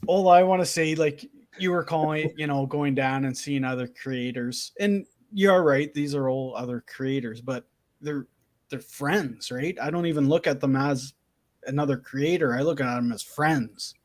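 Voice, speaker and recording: A man's voice: on the high side, normal speed. A man from Canada hosting a live-stream chat, talking in an easygoing, friendly way. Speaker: host. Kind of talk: casual chat.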